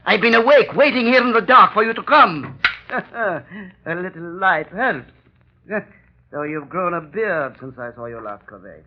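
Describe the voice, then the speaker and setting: A man's voice: high voice, expressive, unhurried, background noise. An actor playing a treacherous, cowardly male ex-convict in a 1930s radio drama, with a sneering and pleading delivery. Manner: sneering, then pleading and frantic. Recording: dull lo-fi 1930s radio broadcast.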